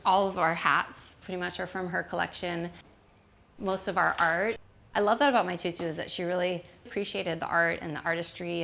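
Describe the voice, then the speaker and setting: A woman from Hawaii gives a casual tour of her home, chatting warmly and laughing often as she wanders between thoughts. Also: on the low side, creaky, a little hiss or hum. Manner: chatty and warm, laughs often, drifting tangents. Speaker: homeowner giving a house tour. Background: music.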